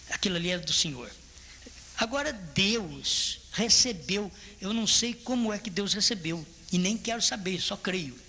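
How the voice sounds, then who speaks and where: A man with a Brazilian Portuguese accent preaching a sermon as pastor, fervent and repetitive, building to loud exclamations. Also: high-pitched, creaky, long reverb tail, slight background noise. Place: church hall.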